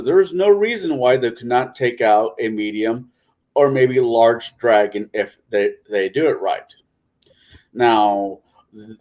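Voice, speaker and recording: A man's voice: medium pitch, a little mellow. A man giving his answers as a panelist in a casual discussion among tabletop gamers.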